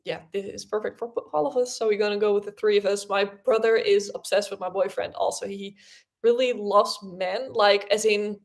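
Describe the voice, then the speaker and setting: A woman's voice: mid-range voice, fairly even intonation, normal speed, gravelly. Young woman host, native Dutch speaker, loose chatty delivery with fillers and restarts. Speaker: podcast host. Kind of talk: casual livestream chat.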